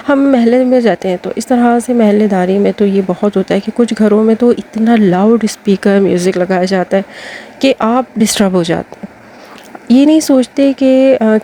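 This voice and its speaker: A woman's voice: medium pitch, dark tone, slight background noise. A woman with a Pakistani Urdu accent giving casual advice to women, chatty and full of fillers, speaking to her viewers as sisters. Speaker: lifestyle advice host.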